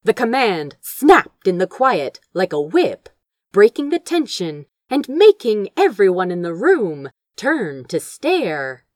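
A woman's voice: mid-range voice, takes it slowly, no echo, studio quality. A woman reading fiction aloud as dramatic, theatrical narration. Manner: expressive, theatrical storytelling. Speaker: audiobook reader of fan fiction.

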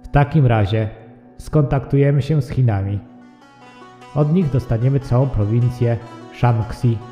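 A man voicing an intelligent yogurt that rules with calm, cold superiority in a measured, formal, commanding way for an audio drama. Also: medium pitch, lightly acted. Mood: calm demand. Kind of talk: audio drama character acting. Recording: muffled, long echoing reverb, faint music behind.

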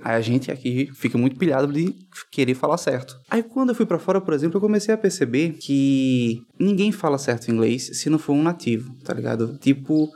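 A man's voice: mid-range voice, expressive, fairly quick, hardly any pauses, dark tone. A man hosting a podcast, talking casually and reflectively. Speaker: podcast host. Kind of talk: casual chat.

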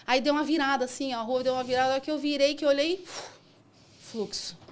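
A woman rideshare driver, telling comic stories from her job in animated, casual chat. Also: high voice. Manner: animated, quick, acts out dialogue in her stories. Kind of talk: casual comic storytelling on a podcast.

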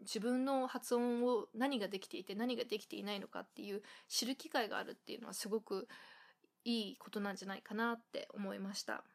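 A woman from Japan hosting a casual solo podcast, thinking aloud and filling pauses with frequent fillers. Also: medium pitch. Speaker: podcast host.

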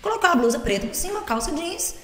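A woman, a teacher and football fan, telling stories in a casual chat, animated and swearing freely. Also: very high-pitched, fast talker. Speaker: guest. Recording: hall reverb.

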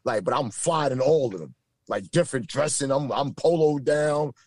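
A man's voice: mid-range voice, normal speed, no room sound, clean studio sound. A man with a Brooklyn New York accent, a podcast guest, talking about his past in a loose, repetitive way with many restarts and fillers. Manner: repeats himself, stacks fillers and restarts, animated. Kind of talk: casual interview storytelling.

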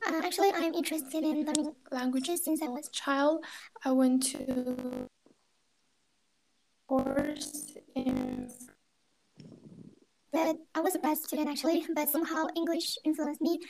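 A young woman's voice sits high, well above the usual range for women. She was raised in China and speaks Kazakh as her mother tongue, so her English comes out careful and halting. She fills gaps with little hesitations as she recounts her experiences to the interviewer. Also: sing-song, background noise. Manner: hesitant, searching for words, non-native phrasing. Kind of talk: casual conversational interview.

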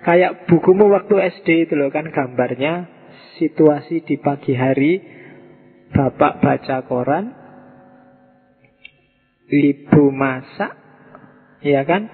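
A man's voice: on the high side, husky, phone-quality sound. Man lecturing in an echoey hall. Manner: conversational, asks rhetorical questions. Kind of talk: informal classroom lecture.

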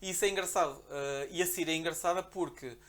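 A man with a European Portuguese accent, a podcast guest telling a travel story in a casual, animated way, acting out the quotes. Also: a little high, fast talker. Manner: animated, excitable, acts out quotes.

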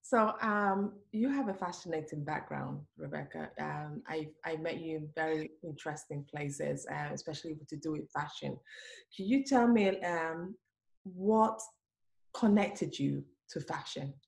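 A woman hosting an interview show, asking questions in a halting, self-correcting way. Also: low voice, vocal fry, a little mellow. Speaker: host.

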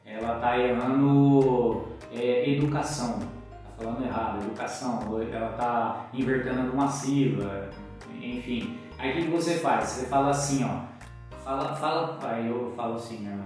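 A man's voice: medium pitch, normal speed, darkish tone. A man teaching tips on children's speech in a live Q&A stream, talking in a loose, explanatory way full of fillers and tag questions. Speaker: co-host, teacher giving literacy tips. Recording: echoey room, far from mic, faint music.

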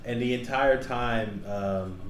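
A man's voice: medium pitch, slow, a crowd in the background. A man co-hosting a casual podcast, telling stories and teasing his friend with laughter. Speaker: podcast co-host. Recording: echoey room with faint noise.

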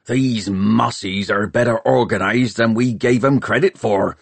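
A man voicing a gruff, blustering pirate mayor in an audiobook, snarling and hissing with rough, ungrammatical speech. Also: fairly low pitch, measured pace, dry recording, full character voice. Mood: indignant. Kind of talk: audiobook character voice.

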